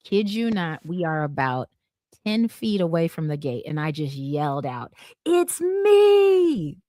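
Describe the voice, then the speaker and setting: Animated middle-aged woman telling a story. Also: low-pitched, normal speed, no echo, studio quality. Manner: animated, vivid retelling with bursts of excitement. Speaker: guest storyteller. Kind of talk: casual podcast storytelling.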